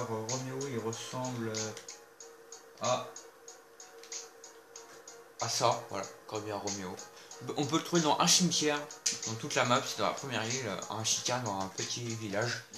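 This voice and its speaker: A man casually showing off vehicles in a video game, chatty, with frequent fillers and asides to viewers. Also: medium pitch. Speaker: gameplay video host. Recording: roomy sound with loud game music.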